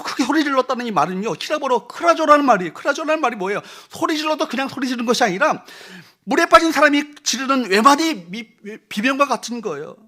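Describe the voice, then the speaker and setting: A very high, bright voice with a forceful tone belongs to a male pastor delivering a Sunday sermon. Standing in the church sanctuary, he speaks emphatically, poses rhetorical questions to the congregation, and leads them in reading verses aloud.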